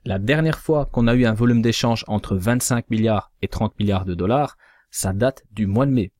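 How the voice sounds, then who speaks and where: A man giving a measured, cautionary voice-over that walks through trading charts. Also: on the low side, a little mellow, no room sound, studio quality. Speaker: crypto trading analyst. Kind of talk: scripted chart analysis voice-over.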